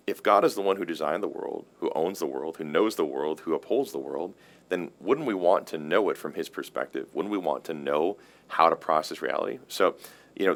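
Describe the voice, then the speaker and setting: Deep-voiced pastor explaining earnestly. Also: male voice, a bit bright. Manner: earnest, explanatory, restarts and repeats words. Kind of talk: casual theological discussion.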